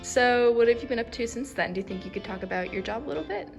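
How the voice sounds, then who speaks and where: Female interviewer, brisk and friendly, with some vocal fry. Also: fairly high pitch, faint music behind. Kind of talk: interview questions.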